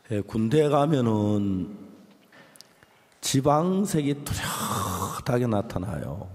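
An older pastor with a Gyeongsang accent preaches a sermon in a low, mellow voice. He slips into folksy, joking stories between scripture readings. His words ring out with the long reverb of a large church hall. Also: big pitch swings, very slow, long pauses. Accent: Gyeongsang Korean. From Gyeongsang region, South Korea.

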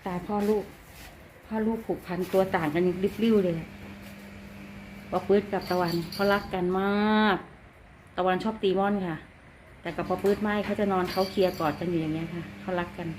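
A woman's voice: fairly low pitch, fairly even intonation, brisk, pauses often. Woman, chatty, talks to her pets, home video, background noise. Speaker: cat and rabbit keeper filming her pets. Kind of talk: casual vlog talk to pets and viewers.

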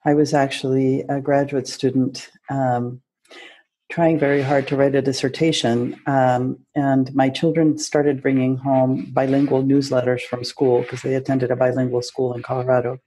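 Brief: woman guest, middle-aged, calm storyteller, dark slightly breathy tone. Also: a bass voice, normal speed, low-quality recording. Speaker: guest interpreter. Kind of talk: casual chat on a video call.

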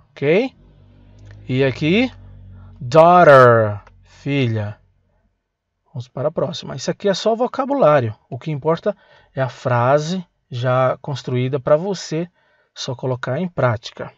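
A man with a Brazilian Portuguese accent teaching English to beginners, saying words slowly and having learners repeat them. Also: on the high side, no echo, lo-fi sound. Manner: slow, drilling words for learners to repeat, breaks in to grab his pen. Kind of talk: language lesson for beginners.

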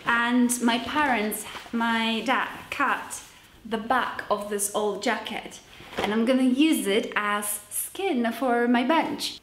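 A woman's voice: on the high side, fairly bright tone, a little hiss or hum. A young adult woman, chatting casually and cheerfully to camera like a vlogger. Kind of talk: casual vlog chat to camera. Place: sparsely furnished room with wooden floor, indoors. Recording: roomy echo.

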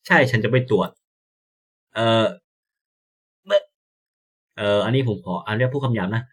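Excitable young man streaming a game. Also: fairly low pitch, unhurried. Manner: excitable, yelps and swears at scares; reads game lines aloud, stammering. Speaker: gameplay streamer. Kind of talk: casual let's-play commentary.

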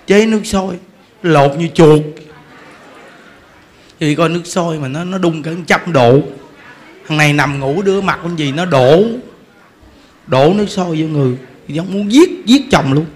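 A man with a Southern Vietnamese accent giving a humorous Buddhist sermon, telling a story with lively repetition and frequent laughter. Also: fairly high pitch, normal speed. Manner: animated storytelling, repeats words, laughs often. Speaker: Buddhist preacher. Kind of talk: humorous dharma talk.

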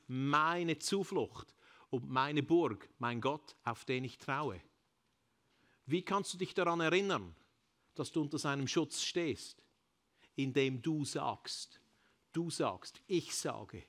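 A Swiss-accented man preaches a sermon in a church service. He builds fervently to loud, ringing calls and then lets each phrase fall away quietly. English phrases slip into his talk now and then. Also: mid-range voice. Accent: Swiss German. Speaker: pastor.

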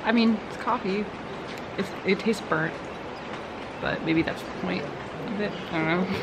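A woman's voice: medium pitch, measured pace. A young woman vlogging on a trip through the rainforest, chatty and playful, poking fun at herself. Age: young adult. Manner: chatty, playful, self-mocking. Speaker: travel vlogger. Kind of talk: casual travel vlog. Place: outdoors in a rainforest. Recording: noisy outdoor jungle recording. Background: insects and jungle ambience.

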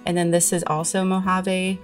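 Chatty woman with a lowish voice. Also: level tone, normal speed, soft background music. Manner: friendly, chatty, with frequent ums. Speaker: antique booth owner. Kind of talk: casual vlog voice-over.

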